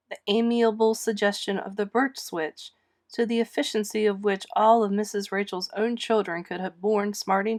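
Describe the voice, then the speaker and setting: A woman reads a children's novel aloud. Her voice sits at a middle pitch. The narration is expressive and scripted, in the manner of a storybook reader.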